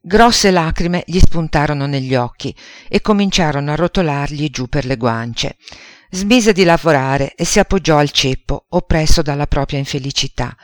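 A man narrating a children's story as an audiobook, in a steady storytelling manner. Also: on the high side, normal speed, dry recording, clean studio sound.

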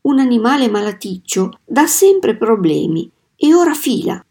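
Lady doing a calm farmer dad, gentle but firm, warm mellow voice. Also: fairly high pitch, measured pace. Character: gentle, patient farmer father.

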